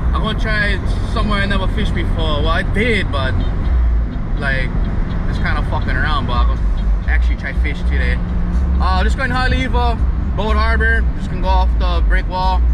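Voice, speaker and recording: Over music in the background, a man talks at a fairly quick pace in a dry sound with no echo. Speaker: fishing vlogger. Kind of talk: casual vlog chat. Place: car. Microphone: phone near.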